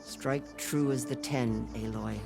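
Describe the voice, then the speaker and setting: An actor playing a formal tribal warrior in a video game, giving measured, instructive briefings. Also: male voice, medium pitch, fairly even intonation, gravelly, loud music behind the voice. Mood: solemn, instructive. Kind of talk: dramatic video game acting.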